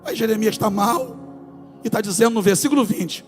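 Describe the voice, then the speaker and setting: A man in his forties, a pastor with a Brazilian accent from Rio de Janeiro state, preaching an animated sermon in a church, moving between soft asides and loud exclamations. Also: sits high, moderate pace, big-room sound, soft background music. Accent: Brazilian Portuguese, Rio de Janeiro state. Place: church sanctuary.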